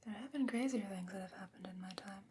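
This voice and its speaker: A woman playing a concerned, candid fantasy scholar in a whispered ASMR roleplay, speaking in a deliberate, musing way. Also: mid-range voice, warm tone, lightly acted. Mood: hushed musing. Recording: noticeable background noise and ambience.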